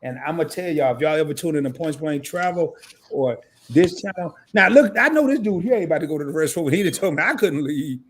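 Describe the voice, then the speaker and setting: A man's voice: on the high side, animated, quick pace. A man co-hosting a casual live stream, joking around, laughing often and reading viewer comments aloud. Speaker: co-host of a credit live stream.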